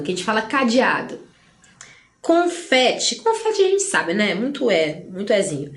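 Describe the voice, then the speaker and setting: A Brazilian woman teaching a grammar lesson, explaining in a chatty way and stretching words slowly to stress them. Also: fairly high pitch, echoey room.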